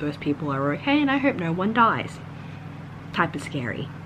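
Her accent is Australian. The woman's pitch moves in an ordinary way. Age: 20s. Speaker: book vlogger. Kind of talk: casual vlog. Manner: chatty, informal.

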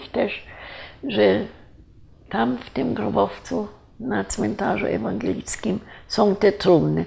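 A woman speaks at a very slow pace with long, frequent pauses and big swings in loudness. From Lower Silesia, Poland (Wałbrzych area); Lower Silesia, Poland. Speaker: local history witness; interview guest. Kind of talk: interview; interview answer, recalling memories. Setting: studio. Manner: halting. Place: studio. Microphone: lapel.

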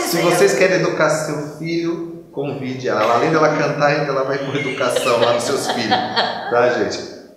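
A man's fairly high-pitched voice with hardly any pauses, amid audible room echo and noticeable background noise. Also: ordinary pitch variation, moderate pace. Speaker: TV interview host. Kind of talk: TV talk show hosting. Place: studio.

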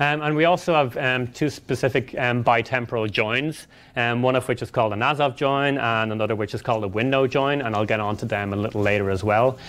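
A man with a Dublin accent talks at a fairly quick pace with hardly any pauses and ordinary pitch variation. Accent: Irish (Dublin). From Ireland. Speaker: software engineer; speaker. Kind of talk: lecture. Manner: loud.

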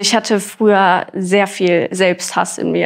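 The background is quiet. A woman speaks with monotone, flat intonation. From Germany, Hagen (Ruhr area); Germany. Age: 20s. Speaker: recovering alcoholic, office clerk; interviewee. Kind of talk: interview testimony. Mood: reflective, candid, calm. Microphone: lapel.

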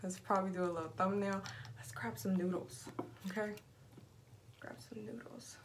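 The woman's pitch shifts by an ordinary amount as she talks. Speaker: food vlogger. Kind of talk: casual vlog chat. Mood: warm, reflective, upbeat. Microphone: phone near.

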